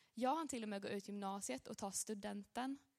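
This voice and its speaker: Here a woman has an unremarkable speaking voice with ordinary pitch variation. She keeps a moderate pace. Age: 20s. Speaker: church speaker giving testimony. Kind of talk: testimony. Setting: church service.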